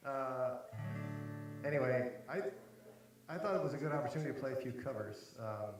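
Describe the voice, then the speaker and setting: A man performing at a live benefit concert, chatting quietly and haltingly between songs in a self-deprecating way. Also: mid-range voice. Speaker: singer-songwriter performer. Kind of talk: casual stage banter between songs. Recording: echoey live room with music.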